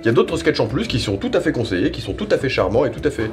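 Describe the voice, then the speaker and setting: A man's voice: mid-range voice, sing-song, very fast, over music. A man giving a slangy, casual spoken review, rambling conversationally and repeating himself for emphasis. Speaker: reviewer presenting audio series.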